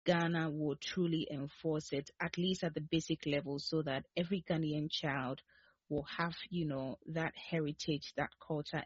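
A woman co-host giving a brief wrap-up in a clear, steady, summarising way. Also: sits low, no echo. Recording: dry, slightly muffled broadcast audio.

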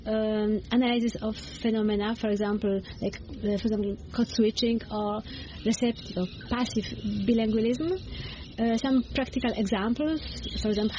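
Higher-voiced Polish-accented woman, softly mellow. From Poland. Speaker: interview guest, bilingual education coach. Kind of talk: explanatory interview talk. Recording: dull sound with faint background noise.

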